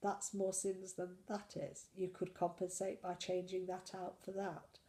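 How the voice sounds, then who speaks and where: A woman's voice: fairly low pitch, monotone, measured pace, warm tone, slight background noise. A woman with a cold chatting in a casual weekly diet vlog, rambling and self-deprecating. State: full of cold. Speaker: slimming vlogger.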